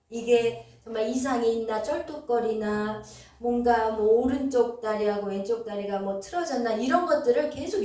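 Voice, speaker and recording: A woman pastor teaching a Bible passage to her congregation, explaining as she goes with frequent pauses and fillers. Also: a little high, mellow. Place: church sanctuary. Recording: very echoey hall, voice from far off.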